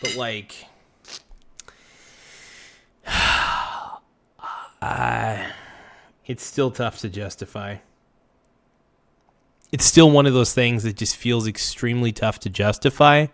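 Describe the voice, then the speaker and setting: A man hosting a casual livestream reaction, his voice worn hoarse, rambling and loudly thanking donors. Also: medium pitch, takes it slowly, pauses often, no room sound. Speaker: livestream host.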